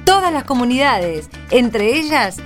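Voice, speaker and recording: Animated high-voiced Argentine woman announcer. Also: measured pace, soft background music. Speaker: radio program announcer. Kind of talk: scripted greetings to communities.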